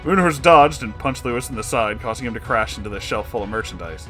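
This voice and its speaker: A man's voice: mid-range voice, expressive, fast talker, music in the background. A man narrating a comedic story in a dramatic, amused reading style. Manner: amused, breaking into laughing asides.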